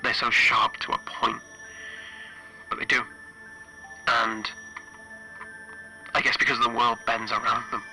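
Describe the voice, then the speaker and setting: A man playing a frightened, stranded spaceship engineer recording an audio log for a horror roleplay, halting and stammering through a radio filter. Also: medium pitch, level tone, sharp tone, faint music behind, poor audio. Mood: uneasy musing. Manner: halting, stammering, anxious repetitions. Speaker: solo tabletop roleplayer.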